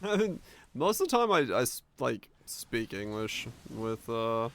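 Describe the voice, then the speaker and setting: A man's voice: medium pitch, sing-song, measured pace, fairly bright tone, a little hiss or hum. Casting: young man from Finland with an American accent, streamer, loose, rambling, cursing casually. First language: Finnish. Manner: rambling, loose and profane, with many restarts. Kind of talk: casual chat with stream viewers.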